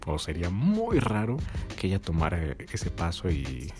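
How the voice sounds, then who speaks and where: A man's voice: deep voice, wildly swooping pitch, moderate pace, over music. A man hosting a podcast, giving blunt casual advice and swearing freely, often checking if the listener follows. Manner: blunt and swearing, keeps asking "you get me?". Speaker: podcast host.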